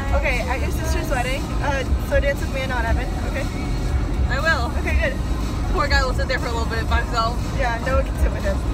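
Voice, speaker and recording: Someone talks at a very fast pace over loud background music. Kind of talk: casual vlog chat. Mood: playful, joking. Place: car.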